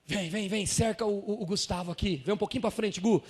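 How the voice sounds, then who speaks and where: A pastor preaching to his congregation in a church, swinging from quiet asides to loud shouted lines and calling people up to act out a scene. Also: sits high, fairly quick, breathy edge. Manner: dramatic preaching with sudden swings from soft to shouting; directs congregation members in a live demonstration. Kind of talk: sermon.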